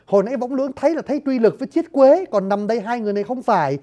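Storyteller, play commentary, chatty, joking, talks to listeners, mellow tone. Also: medium pitch, animated, very fast. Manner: chatty, jokey, addresses listeners directly. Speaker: storyteller explaining a stage play. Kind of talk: lively spoken commentary to listeners.

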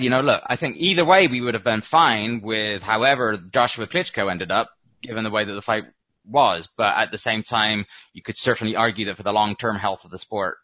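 Male interview guest, low bright voice, thoughtful and hesitant, choosing his words in unscripted answers. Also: dry recording. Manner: hesitant, reflective, measured phrasing. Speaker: boxing expert guest.

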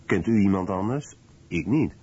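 A man reading a scripted documentary voice-over in a measured, serious way. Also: low-pitched, lively intonation, dark tone, slightly rough, lo-fi sound.

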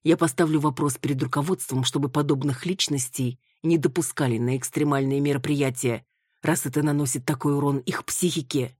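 A woman's voice: deep voice, fairly even intonation, a little mellow, breathy edge, no room sound, clean studio sound. A woman doing a cold, mocking guide. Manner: slow, syllable-by-syllable, condescending.

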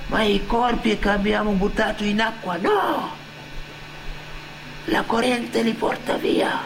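A man narrating a dramatic theatrical monologue as a stage actor, solemn and emphatic, with long pauses. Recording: loud hum and rumbling background noise.

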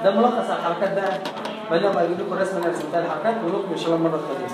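Egyptian accent, recitation teacher, slow repeated demos, heavy room echo, distant from the mic. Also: medium pitch, heavy background noise. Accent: Egyptian Arabic. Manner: recites example words slowly and repeats them to demonstrate. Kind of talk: classroom lesson with recited examples. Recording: echoey room, voice far from the mic.

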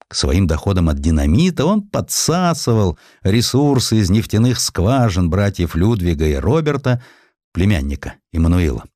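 Deep-voiced man narrating with lively intonation. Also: no room sound, clean studio sound. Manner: expressive, storytelling with deliberate phrasing. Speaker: audiobook narrator. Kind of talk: dramatized scripted narration of historical sketch.

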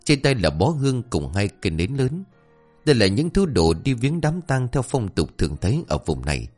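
A man narrating a story in a dramatic, expressive way. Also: medium pitch, normal speed, faint music behind.

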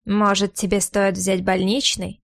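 A woman's voice: medium pitch, level tone, measured pace, creaky. A woman reading an audiobook voices a smug male office boss who teases his secretary with a sly, mocking edge.

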